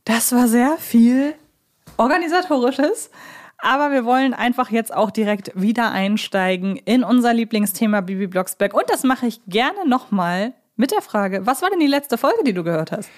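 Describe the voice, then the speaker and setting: A woman's voice: on the high side, animated, moderate pace. A woman hosting a podcast in a chatty, wordy style with stop-and-start phrasing. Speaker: podcast host.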